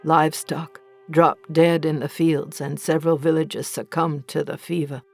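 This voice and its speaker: A woman playing an accused village healer, bitter and defiant, narrating a horror audio drama gravely and deliberately in a creaky voice. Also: low voice, flat delivery, darkish tone. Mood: weary, regretful. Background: faint music.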